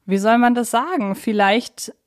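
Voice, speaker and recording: A woman's voice: a little high, a little slow. Woman co-hosting a casual discussion podcast. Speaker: podcast co-host. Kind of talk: casual discussion of an audio drama series.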